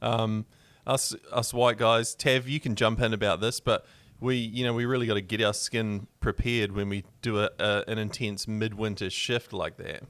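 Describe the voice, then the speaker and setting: Bright, forceful New man, tongue-in-cheek. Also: lowish voice, fairly even intonation, moderate pace, few pauses, clean tone. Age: 30s. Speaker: podcast co-host. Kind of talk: casual chat.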